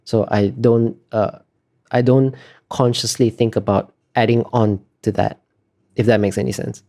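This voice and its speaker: A man giving casual interview answers as a guest artist, thinking aloud in a halting, self-deprecating way. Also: medium pitch, fairly even intonation, gravelly, warm tone.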